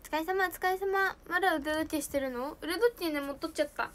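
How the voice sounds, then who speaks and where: A bubbly teenage girl with a lilt, chatting on a live stream and reading out viewer comments. Her voice sits very high, and she giggles often between lines. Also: fast talker, a bit bright. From Japan. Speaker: idol trainee streamer. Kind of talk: casual live stream chat.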